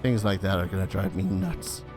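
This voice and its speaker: A man's voice: deep voice, normal speed, over music. A man giving casual let's play commentary, musing aloud in a dry, mildly irreverent way. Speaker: gaming video host.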